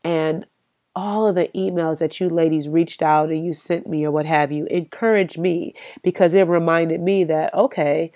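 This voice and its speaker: A woman's voice: deep voice, steady tone, moderate pace, dark tone. A woman hosting her own podcast, talking in an encouraging, conversational way with frequent ums, her voice stuffy from a cold. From United States. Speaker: podcast host. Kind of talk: solo podcast talk.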